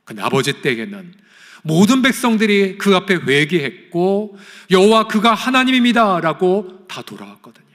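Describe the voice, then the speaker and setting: A male pastor preaching an impassioned sermon, swinging from loud pleading to soft near-whispers. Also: sits high, sing-song, moderate pace. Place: church sanctuary. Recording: church hall reverb.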